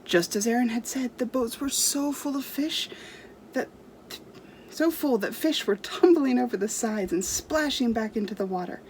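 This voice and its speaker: A woman's voice: on the high side, lively intonation, moderate pace, darkish tone, a little hiss or hum, low-quality recording. A woman storyteller reading a storybook aloud to children expressively.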